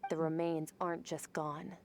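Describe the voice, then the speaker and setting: Low, aloof warrior woman. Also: level tone, moderate pace, darkish tone, faint music behind. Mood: stern. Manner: cool, detached, matter-of-fact. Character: aloof, disdainful young female otherworldly warrior. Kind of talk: anime-style game voice acting.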